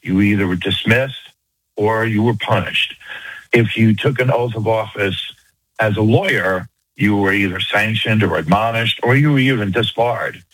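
A husky older man with a thick New York accent speaks fast and earnestly as a caller on a talk radio show. His voice sits low and sounds dry and close. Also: fairly bright tone, no room sound, rough recording. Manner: fast, earnest, eager to make his point.

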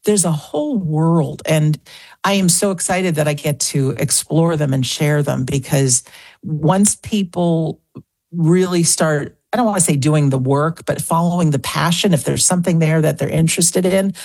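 A woman's voice: sits low, moderate pace, darkish tone, husky, no echo. A woman in her sixties, a guest on a radio interview, talking earnestly and piling up examples. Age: 60s. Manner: earnest, talks in lists and repeats phrases. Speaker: guest author.

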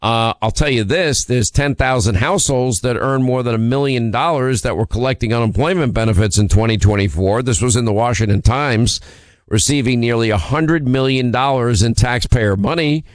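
A middle-aged man hosting a political talk show, his voice hoarse and worn from a cold. He talks in a brash, combative way and throws in sarcastic asides. The sound is close and very dry, with no room in it. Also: medium pitch, moderate pace, no room sound. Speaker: talk radio host. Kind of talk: political talk radio monologue.

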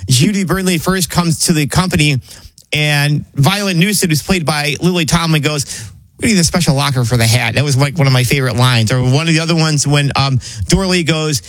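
A man on a radio show who rambles through his stories, full of ums and restarts. His voice sits a little high for a man and sounds close and dry in the studio. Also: fairly quick, no echo, rough recording. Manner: rambling, filler-heavy storytelling. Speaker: show regular, co-host. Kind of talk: casual radio chat.

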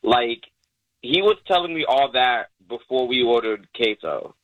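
A man's voice: medium pitch, lively intonation, a little slow. A man on a phone call, talking bluntly and casually with lots of fillers. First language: not Spanish. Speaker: caller on phone. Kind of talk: phone conversation.

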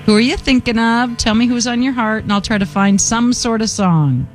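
A woman hosting a radio call-in show, with a sweet, gentle voice and teasing, motherly advice. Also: fairly high pitch, normal speed, soft background music. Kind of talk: late-night radio call-in chat.

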